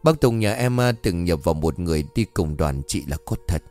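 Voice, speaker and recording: A man reading a story and voicing a thoughtful woman who speaks in a measured, cautious way. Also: low-pitched, lively intonation, a little mellow, faint music behind, voice pushed down.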